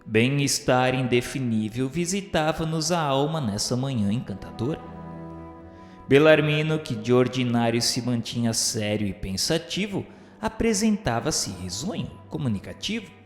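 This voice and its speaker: Male narrator, Brazilian, measured and literary radio storytelling, heavy echo over a music bed. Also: medium pitch, animated. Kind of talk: scripted dramatic radio narration. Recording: echoey hall reverb under music.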